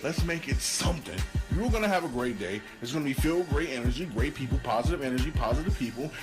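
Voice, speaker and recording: A man's voice: mid-range voice, lively intonation, fast talker. A man giving an upbeat, motivational pep talk as a video creator. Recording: music playing over the voice. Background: music.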